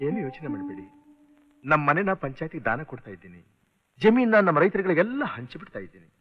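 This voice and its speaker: An actor playing an idealistic young landlord and lawyer who speaks in an earnest, calm way. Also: male voice, fairly high pitch, fast talker, husky, faint music behind. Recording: dull old film soundtrack.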